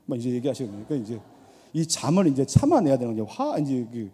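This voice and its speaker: A middle-aged man preaching a sermon as pastor, swinging between loud appeals and hushed asides, with rhetorical questions and storytelling, in a church sanctuary. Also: medium pitch, sing-song, fast talker, husky. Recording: long church hall reverb.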